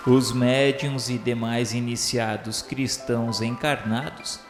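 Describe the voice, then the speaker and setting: A slow, solemn male spirit played by a man narrates his memoirs in a Brazilian accent for a radio novel. The delivery is formal and measured, at a middling pitch. It rings with long hall reverb over music. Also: natural voice.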